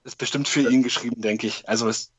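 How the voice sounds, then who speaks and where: Man, average pitch, informal panel chat, dry close recording. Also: fairly even intonation, quick pace, fairly bright tone, no echo. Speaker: podcast panelist reviewing audio dramas. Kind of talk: casual chat.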